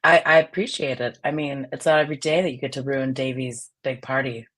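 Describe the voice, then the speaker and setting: Low, raspy woman who projects. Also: flat delivery, a little fast, fairly bright tone. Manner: projects her voice, blunt and fiery. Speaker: guest. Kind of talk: casual chat.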